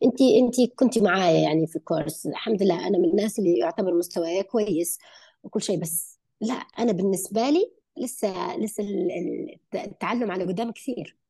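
Lively intonation from a woman with a dark, mellow tone, at a moderate pace, in a dry sound with no echo over a quiet background. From Tunisia. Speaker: traveller, gymnastics coach; podcast guest. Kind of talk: podcast interview. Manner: frequent English code-switching; halting, many restarts. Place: home room. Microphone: earbuds.

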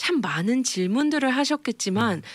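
A woman's voice moves through very wide pitch swings in a dry sound with no echo against a quiet background. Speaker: radio host. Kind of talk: interview. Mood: warm, polite, slightly nervous. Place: studio. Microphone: studio mic.

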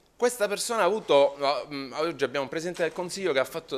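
Here a man is speaking. His intonation is lively. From Sicily, Trapani; Sicily. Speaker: lawyer; defence lawyer in trial. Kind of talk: closing argument in court. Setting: courtroom. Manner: hesitant, many fillers. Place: hall. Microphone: podium.

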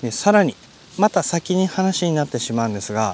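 Fairly quick speech from a man, very wide pitch swings, dry, close sound with no echo. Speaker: farm owner and vegetable growing instructor. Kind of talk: gardening tutorial talk to camera. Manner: polite, formal.

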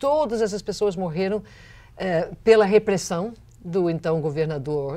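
This woman's voice has a dark, mellow tone and lively intonation. She talks at a fairly slow pace. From US, western New York (Buffalo); western New York. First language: English (speaking Portuguese). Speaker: author and professor; professor. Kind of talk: TV interview. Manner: halting, many fillers. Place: studio. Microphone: lapel.

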